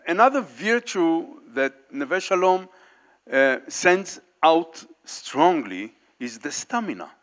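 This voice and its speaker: Halting older man on a handheld mic. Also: fairly high pitch, big pitch swings, a bit bright. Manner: halting, many fillers and restarts, gestures while talking. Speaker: panelist. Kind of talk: unscripted panel remarks. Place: large indoor meeting hall, panel table.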